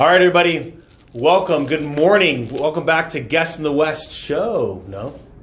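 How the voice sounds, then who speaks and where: Noticeable background noise and audible room echo surround a man who talks at a moderate pace in a fairly high voice. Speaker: talk show host. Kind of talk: video podcast host intro. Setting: studio. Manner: loud.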